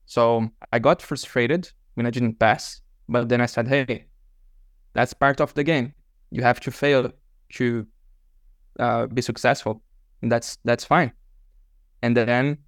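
Slow, clear-voiced man telling his story. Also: medium pitch, no echo, studio quality. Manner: unhurried storytelling with many fillers. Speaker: interview guest, author. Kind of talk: casual interview chat.

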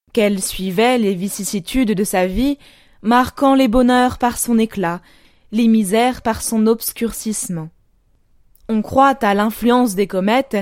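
A woman narrates a classic short story in a fairly high voice. She reads in a measured, deliberate way and leaves dramatic pauses between phrases. The recording is dry and close, with no room echo. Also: a little mellow. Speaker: audiobook narrator.

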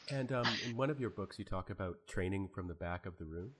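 A man interviewing a guest, asking hesitant, halting questions. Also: low-pitched.

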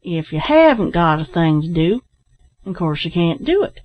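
A woman voicing a stolid, opinionated sailor man with emphatic, drawn-out rustic speech in a storybook. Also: fairly low pitch, sing-song, lo-fi sound. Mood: sage, stolid. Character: slow, homespun, opinionated sailor man dispensing maxims.

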